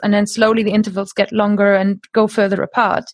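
A woman with a German accent talks in a somewhat breathy, fairly high voice with monotone, flat intonation. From Germany. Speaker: language teacher and online course creator. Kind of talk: interview.

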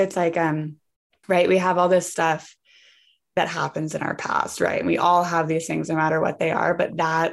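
At a moderate pace, a woman talks in an unremarkable speaking voice with a fairly low pitch. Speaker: podcast host. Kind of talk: casual chat.

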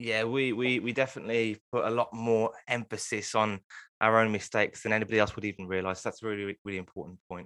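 A man with a West Midlands accent talks very fast at a medium pitch in monotone, flat intonation, the sound dry and close with no echo. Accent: Wolverhampton. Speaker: podcast host. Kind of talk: interview. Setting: video call.

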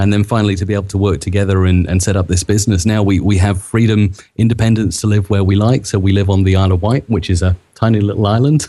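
A man with a British accent and a dark, mellow tone talks at a very fast pace with hardly any pauses. His loudness stays very even and his intonation fairly even. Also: fairly low pitch for a man. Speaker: voice-over artist and former radio presenter. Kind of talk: interview. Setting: remote call.

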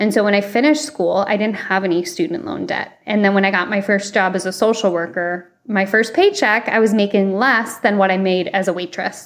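With an ordinary speaking voice, a woman talks at a fairly quick pace and a medium pitch, using ordinary pitch variation and hardly any pauses. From rural Michigan, US. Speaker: financial therapist. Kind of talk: interview conversation.

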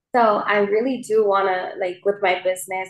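A woman is speaking at a medium pitch. She has an ordinary speaking voice. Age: 20s. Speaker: workshop participant, small business owner. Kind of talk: casual chat. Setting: video call.

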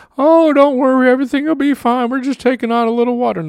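Using a put-on character voice, a man speaks very fast at an extremely high pitch. His intonation is fairly even. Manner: breezy, carefree, goofy.

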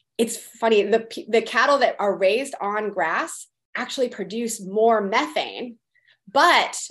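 A moderate pace and lively intonation, the background quiet. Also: woman. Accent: Californian. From Southern California. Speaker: scientist and food business founder. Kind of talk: casual interview.

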